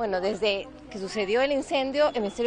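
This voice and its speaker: With light background noise and a dry sound with no echo, a woman speaks very fast with ordinary pitch variation. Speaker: government minister. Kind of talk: interview answer. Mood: serious, solidary. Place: street. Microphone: handheld.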